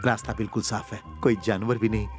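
A man's voice: on the low side, flat delivery, fast talker, close to an everyday voice. An actor dubbing a bumbling, cowardly middle-aged comic sidekick who whines and blurts out his thoughts. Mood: jittery. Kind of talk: dubbed film acting. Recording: film soundtrack with loud music.

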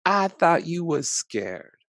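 A man's voice: fairly high pitch, big pitch swings, takes it slowly, creaky, a bit bright, no echo, studio quality, voice pushed up, heavily acted. A man voicing an anxious, tender little boy in a storybook, asking questions in a plaintive, curious way.

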